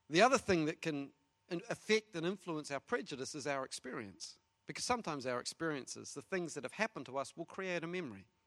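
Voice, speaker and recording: In a New Zealand accent, a man speaks very fast at a fairly high pitch. His intonation is lively, and the sound is dry and close with no echo. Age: 40s. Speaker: pastor. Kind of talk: sermon. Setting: church. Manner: animated.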